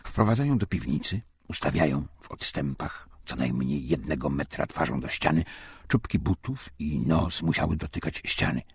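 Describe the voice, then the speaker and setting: A man reading a wartime memoir as an audiobook narrator, in a husky, gravelly voice. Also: a bass voice, expressive, normal speed, no room sound.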